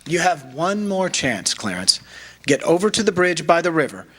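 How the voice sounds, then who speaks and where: Joseph, a stern, higher-voiced senior angel. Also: male voice, sing-song, fairly bright tone. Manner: firm, deliberate. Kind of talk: staged 1940s radio drama.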